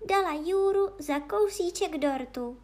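Vysoká dětská princezna, hraná ženou. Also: female voice, extremely high pitch, darkish tone, voice pushed up. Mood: prostoduchá. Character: malá princezna, dívka, naivní.

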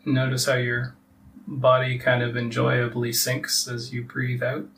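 A man leading a guided relaxation meditation as a teacher, giving soft instructions with long pauses. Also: medium pitch, monotone. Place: live group meditation session. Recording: distant mic with faint background noise.

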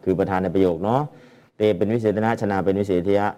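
A man's voice: deep voice, little pitch movement, fast, mellow, muffled recording. A man teaching Pali translation to a class and explaining patiently, often repeating his phrases.

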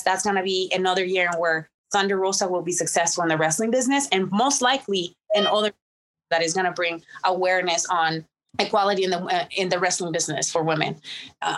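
A woman's voice: lowish voice, fairly even intonation, fast, fairly bright tone. Emphatic woman wrestler. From Mexico. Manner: candid, emphatic, self-assured. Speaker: professional wrestler guest. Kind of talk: casual interview.

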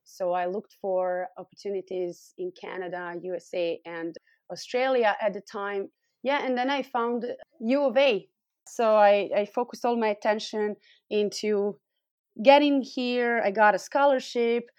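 A woman's voice: medium pitch, a little slow, a little mellow, dry recording, dull audio. A woman from Serbia with a Serbian accent, speaking as an expert guest and explaining things in an interview. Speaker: guest expert, scoliosis clinic founder and physiotherapist.

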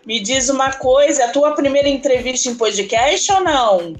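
A woman with a Brazilian Portuguese accent hosting a podcast interview, effusive and drawn-out in her speech. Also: high-pitched, expressive, faint music behind. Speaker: podcast host.

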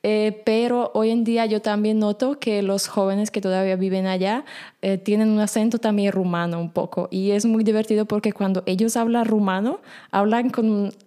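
A woman whose first language is Slovak, speaking as a podcast guest in a casual chat, pausing often with fillers. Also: mid-range voice, fairly even intonation, mellow, smooth. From Slovak minority in Romania. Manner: hesitant, many fillers.

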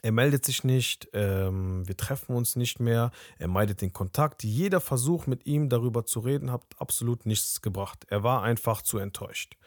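A young man speaks at a middle pitch in a candid, conversational podcast voice and tells a personal story. His voice is close and dry, with no room sound around it. He keeps tagging his sentences with a little questioning aside. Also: moderate pace, hardly any pauses, no echo. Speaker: podcast host.

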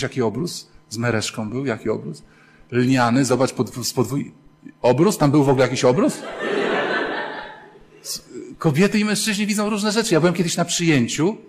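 Lively joking priest preaching to a crowd. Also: male voice, on the high side, a little hiss or hum. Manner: animated storytelling with playful humor, acting out voices. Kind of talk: sermon.

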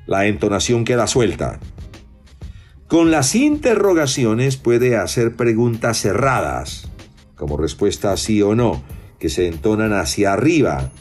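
Low, lively male voice coach. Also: measured pace, faint music behind. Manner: expressive, demonstrates intonation with his voice. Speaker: voice-over teacher. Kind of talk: instructional podcast lesson on reading aloud.

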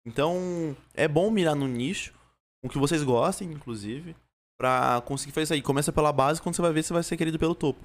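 Fast-talking young Brazilian man, slangy and repetitive. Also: a little high. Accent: Brazilian Portuguese. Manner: slangy, repeats phrases and restarts often. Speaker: podcaster and streamer. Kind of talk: casual podcast chat.

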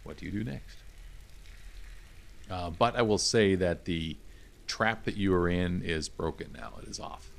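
A middle-aged man narrating an improvised tabletop game as game master, halting now and then to find his words. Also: sits low, vocal fry. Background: music.

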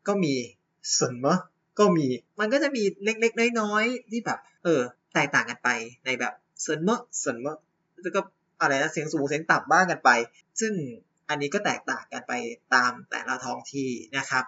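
A man's voice: on the high side, lively intonation, a little fast, pushed and bright, lo-fi sound, slight background noise. A man from Thailand hosting a casual solo talk show, chatty and full of rhetorical asides. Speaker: podcast host.

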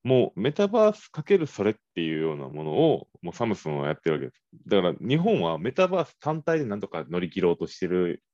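A man's voice: deep voice, huge pitch swings, fast, hardly any pauses, darkish tone, no echo, highs cut off. A man with a Kansai accent, a marketing radio producer co-hosting a casual podcast chat in a playful, teasing way. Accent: Kansai Japanese.

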